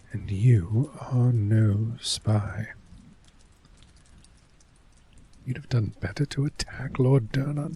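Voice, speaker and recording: A man playing a cynical, world-weary fort official in a soft-spoken ASMR fantasy role play, measured and sardonic, sometimes dropping toward a whisper. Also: mid-range voice, vocal fry, slight background noise. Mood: dry, condescending.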